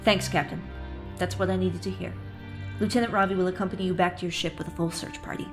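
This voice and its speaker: A woman's voice: lowish voice, fairly even intonation, fast talker, over music, lightly acted. A woman playing a sardonic, exasperated director in command of a space platform, in a science fiction audio drama. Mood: firm, authoritative. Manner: dry, authoritative, sardonic.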